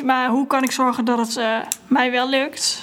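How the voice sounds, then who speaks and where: Delivered at a very slow pace in a flat monotone, the speech comes with noticeable background noise and audible room echo. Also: woman. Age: 20s. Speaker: visually impaired guest. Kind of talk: radio interview.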